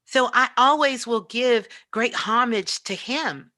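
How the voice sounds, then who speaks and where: A woman's voice: a little high, slow pace, pushed and bright. A woman giving a motivational spiritual talk in an emphatic, preaching way, repeating phrases for weight. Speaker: guest spiritual teacher.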